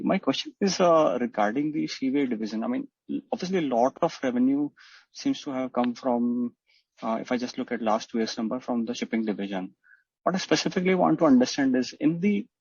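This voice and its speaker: A man's voice: medium pitch, darkish tone, slightly rough, no room sound. A man asking questions as an investment analyst on an earnings call. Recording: dull, band-limited conference call audio.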